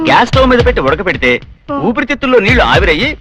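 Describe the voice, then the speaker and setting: An actor playing a calm, matter-of-fact male village folk healer in a film comedy scene. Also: very high-pitched, rapid-fire, music in the background. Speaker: village native doctor.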